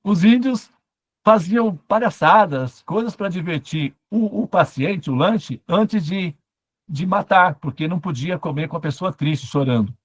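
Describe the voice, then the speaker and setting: A man's voice: sits high, a little slow. A man giving a satsang talk as a spiritual teacher, telling stories with humor and asking himself questions.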